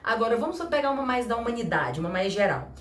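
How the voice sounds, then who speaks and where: Woman from teaching a casual lesson, chatty and animated, roomy echo. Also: a little high. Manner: chatty, lively, acts out little dialogues, slows for example sentences. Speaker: English teacher.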